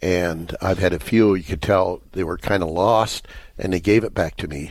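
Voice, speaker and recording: This man has a very deep, low pitch. He talks at a fairly slow pace with ordinary pitch variation. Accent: Midwestern US. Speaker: priest. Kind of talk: radio call-in Q&A. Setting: studio.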